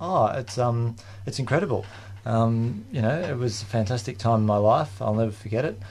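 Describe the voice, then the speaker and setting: A man speaks in an Australian accent at a medium pitch and a moderate pace. His pitch varies in an ordinary way, with noticeable background noise behind him. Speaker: former choir member. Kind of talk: casual radio interview.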